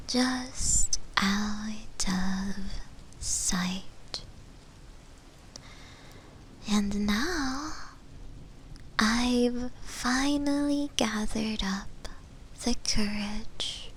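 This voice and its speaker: Woman doing a flirty possessive shadow demon asmr, breathy whisper, super slow and drawn out, some ambient noise behind. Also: mid-range voice, fairly bright tone, poor audio. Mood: hesitant, secretive. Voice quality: breathy, almost entirely whispered. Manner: halting, lingering pauses, intimate and coaxing. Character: flirty, possessive female shadow demon, shy yet obsessive. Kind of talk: whispered ASMR roleplay for sleep.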